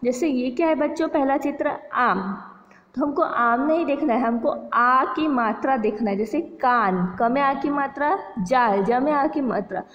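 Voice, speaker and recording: A woman's voice: sits high, fairly bright tone. Patient woman teaching young children. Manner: patient, repeats "बच्चों" often, stresses pronunciation slowly. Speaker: primary school Hindi teacher. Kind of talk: online lesson explaining a worksheet to children. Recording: long reverb, dull lo-fi sound.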